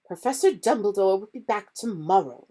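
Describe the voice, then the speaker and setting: A woman reading aloud voices a stern, strict older female teacher who speaks crisply and firmly. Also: mid-range voice, animated, moderate pace, warm tone, pitched above the performer's own voice, natural voice. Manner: crisp, firm, scolding.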